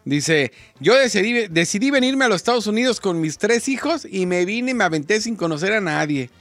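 A man with a Mexican accent co-hosting a radio show, chiming in with animated, slangy remarks and reading messages. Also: high voice, fairly quick, no echo, soft background music. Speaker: co-host. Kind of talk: joking radio chat.

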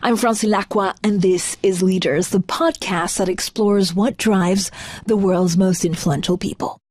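A woman's voice: medium pitch, fairly even intonation, a little slow, a little mellow, no echo, clean studio sound. A woman hosting an interview podcast, polished in her scripted introduction and conversational with her questions.

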